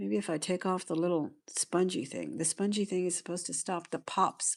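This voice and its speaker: A woman mumbling quietly at a fairly quick pace and a fairly low pitch. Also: ordinary pitch variation. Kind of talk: live stream auction. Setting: live stream on camera. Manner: quiet, low-key.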